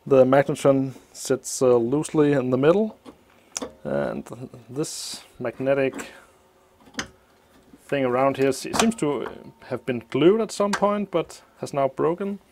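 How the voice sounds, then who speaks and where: A man explaining a teardown of an old appliance at a workshop bench, thinking aloud with many pauses, his voice slightly muffled by a mask. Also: medium pitch, sing-song, darkish tone, a little hiss or hum. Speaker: electronics teardown host. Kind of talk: hands-on technical walkthrough.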